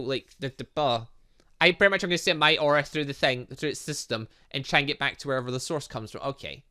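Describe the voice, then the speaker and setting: A man hosts a gaming video in a slightly high, bright voice. His delivery swings widely in pitch as he reads dialogue and reacts excitably to the story. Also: clear, resonant tone. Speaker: gaming channel host. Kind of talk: let's play commentary, reading game dialogue aloud.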